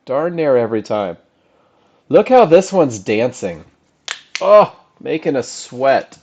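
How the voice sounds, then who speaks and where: A man's voice: medium pitch, very animated, takes it slowly, a little mellow. A man giving a live trading lesson as an instructor, addressing a group in short, emphatic phrases and often checking that they follow. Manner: emphatic, with short punchy phrases and rhetorical questions. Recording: slightly dull, lo-fi audio.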